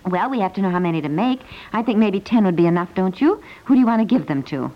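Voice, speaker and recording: A woman's voice: mid-range voice, animated, quick pace, natural voice. A woman playing an eager, coaxing, fussy mother in a naturalistic 1950s radio comedy. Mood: chatty, coaxing. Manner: coaxing, chatty, fussing. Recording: muffled 1950s radio recording.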